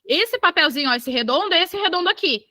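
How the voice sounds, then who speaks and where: A woman from Brazil teaching an exam-prep geography class, lively and checking in with her students often. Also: very high-pitched, a little fast, no echo.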